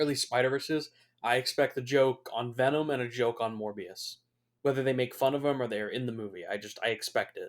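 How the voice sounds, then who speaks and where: In a very clean recording with a silent background, a man talks at a fairly quick pace with fairly even intonation and a medium pitch. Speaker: movie commentary youtuber. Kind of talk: casual movie commentary. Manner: loud.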